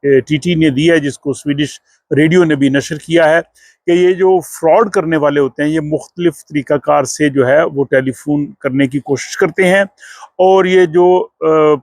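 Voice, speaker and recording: A man speaks in a somewhat high voice, recorded very dry with no room sound. He presents news to his vlog viewers in an explanatory way, often pausing on fillers as he goes. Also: dry recording. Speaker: vlog host.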